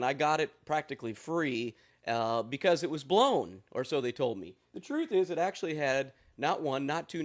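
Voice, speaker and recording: A man hosting a casual guitar amp demo, talking in a playful, folksy way from the floor of a room full of amps. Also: medium pitch. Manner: folksy, playful, drawling asides. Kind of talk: casual joking gear demo. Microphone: instrument mics on amps, voice faint.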